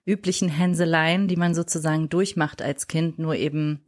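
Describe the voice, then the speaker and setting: Low-voiced woman telling her story. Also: fairly even intonation, moderate pace. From Germany. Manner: reflective, searching for words mid-sentence. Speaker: interview guest. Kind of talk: personal storytelling in a podcast interview.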